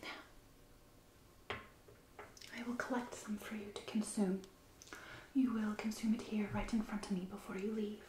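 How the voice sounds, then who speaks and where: A woman in her thirties playing a soothing, slightly sinister witch in a soft-spoken, whispered ASMR role play. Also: medium pitch, steady tone, roomy sound, far from the mic, a little hiss or hum, rough recording. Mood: wry, hushed. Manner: slow, deliberate, soothing. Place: small indoor room.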